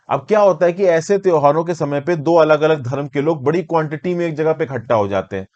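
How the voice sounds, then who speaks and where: His voice is fairly high and a little mellow, with the highs cut off in the recording. The man, who has an Indian accent, presents current affairs lessons, here lecturing exam students in an explanatory, teacherly, conversational way while using English terms and raising questions.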